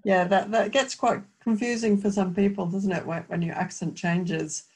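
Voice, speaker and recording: A woman's voice: medium pitch, steady tone, moderate pace, a little mellow, a little hiss or hum. A woman hosting a podcast, asking questions and giving brief, encouraging replies to her guest. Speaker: podcast host. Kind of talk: interviewing a guest.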